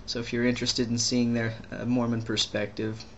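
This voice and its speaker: A young trans man talking casually in a video diary, rambling and halting with many restarts and fillers. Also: mid-range voice, completely flat delivery, fairly bright tone, highs cut off, a little hiss or hum. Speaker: vlogger.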